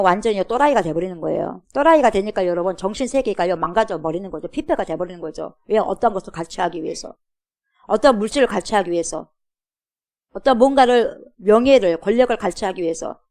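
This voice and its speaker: A woman pastor delivers a sermon in a church with an emphatic, insistent delivery. She keeps turning to the congregation with repeated rhetorical questions. Her voice sits at a middle pitch for a woman. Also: expressive, fast, a little mellow.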